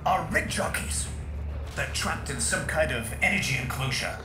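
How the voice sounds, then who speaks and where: An emphatic male mission guide from a video game, played by an actor. His voice sits fairly high and instructs clearly, ringing with room echo under loud music. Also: lively intonation, normal speed, close to an everyday voice. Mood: urgent.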